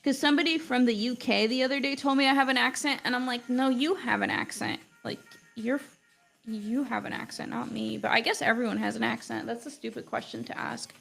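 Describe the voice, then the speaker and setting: Chatty young woman with vocal fry. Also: fairly high pitch, fairly even intonation, a little fast, fairly bright tone, faint music behind. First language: not English. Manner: chatty, rambling, heavy use of "like". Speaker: art teacher streaming live. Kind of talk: casual livestream chat while drawing.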